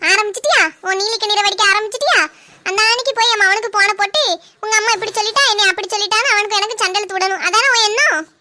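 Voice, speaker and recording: A woman plays a sharp-tongued mother-in-law who nags in a very high, bright voice. She talks fast and runs from mockery into loud self-pitying wails. It is a comic family skit. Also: heavily acted. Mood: scolding.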